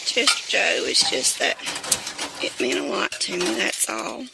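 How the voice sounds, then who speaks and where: A woman's voice: low voice, sing-song, unhurried, vocal fry, heavy background noise, heavily acted. A woman playing an exasperated rural wife and mother in a comedic audio drama, with a folksy, scolding Southern US drawl. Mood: wistful.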